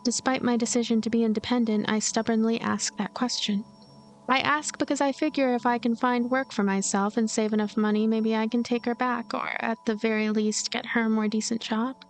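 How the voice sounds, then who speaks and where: A woman's voice: on the high side, steady tone, a little fast. A woman reading story narration aloud from a visual novel as a let's player. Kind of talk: expressive scripted narration. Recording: music behind the voice. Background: game music.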